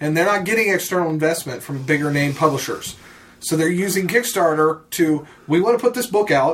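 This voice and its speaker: A man's voice, high in pitch with ordinary pitch variation, at a fairly quick pace. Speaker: podcast co-host. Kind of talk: casual chat.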